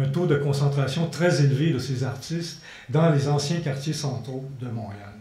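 A man with a fairly high pitch and fairly even intonation, at a moderate pace, with audible room echo. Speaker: sociologist and professor. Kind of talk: lecture. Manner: halting. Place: hall. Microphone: podium.

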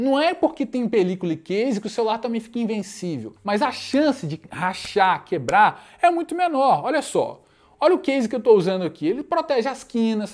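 In a Brazilian accent, a man speaks with an animated tone at a moderate pace. He barely pauses, against a quiet background. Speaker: tech YouTuber; tech youtuber. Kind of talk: tutorial. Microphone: lapel.

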